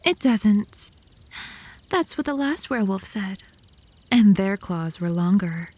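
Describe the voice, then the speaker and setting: A woman's voice: mid-range voice, animated, takes it slowly, darkish tone, no room sound. A woman playing an indignant, lovesick young female vampire, haughty but easily flustered, in a comedic ASMR roleplay. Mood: haughty, sheepish.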